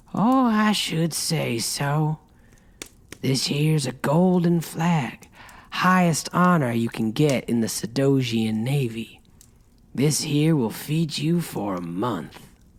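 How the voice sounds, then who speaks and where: A man puts on a character voice, creaky and fairly high in pitch. He goes at a fairly slow pace with lively intonation. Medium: audio drama. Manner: unhurried, folksy, calculating.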